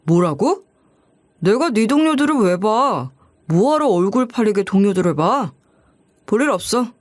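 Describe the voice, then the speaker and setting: A woman's voice: mid-range voice, animated, a little slow, no echo, clean studio sound. Woman doing a curt, cold young fiancé. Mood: scornful. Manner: curt, snapping, dismissive. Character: rude cold young man, an engaged fiancé.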